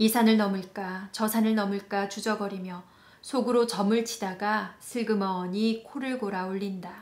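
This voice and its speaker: Monotone, flat intonation marks this fairly slow delivery. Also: woman, medium pitch for a woman. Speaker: announcer. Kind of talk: audiobook reading of a literary short story. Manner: expressive.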